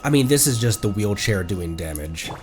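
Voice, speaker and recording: A man's voice: fairly low pitch, expressive, normal speed, darkish tone, faint music behind. A man livestreaming a video game, chatting casually and thinking aloud in a rambling way as he plays. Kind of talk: casual gameplay stream commentary.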